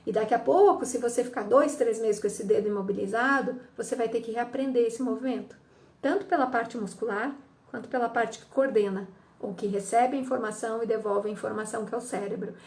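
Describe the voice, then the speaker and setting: A woman's voice: a little high, warm tone. A middle-aged woman, a hearing specialist, explains the causes of ear ringing in a teaching tone, often checking in with listeners and acting out what her patients say. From Brazil. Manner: didactic, frequent "tá?" check-ins, acts out patient quotes. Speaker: audiologist and psychologist. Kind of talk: explanatory health talk.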